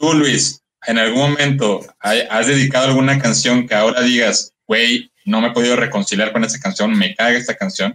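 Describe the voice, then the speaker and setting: A man speaks at a moderate pace and medium pitch, with very even loudness, ordinary pitch variation, and hardly any pauses. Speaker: podcast guest. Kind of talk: casual chat.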